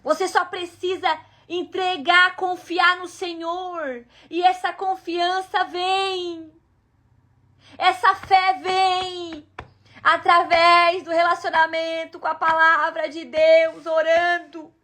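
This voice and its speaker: A woman preaching an earnest devotional sermon to wives, emphatic and sometimes dropping to a hushed tone. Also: extremely high pitch, flat delivery, slow.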